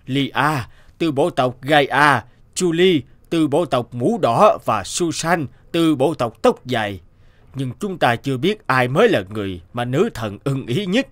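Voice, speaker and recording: An actor playing a pompous, authoritative tribal chief who scolds sternly in a fairy-tale cartoon. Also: male voice, medium pitch, lively intonation, measured pace, dry recording, natural voice. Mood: solemn announcing. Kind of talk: animated fairy-tale acting. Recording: music behind the voice.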